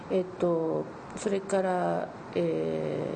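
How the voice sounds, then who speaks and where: Background noise is noticeable here. A woman speaks with ordinary pitch variation. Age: 50s. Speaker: journalist and author. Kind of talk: interview.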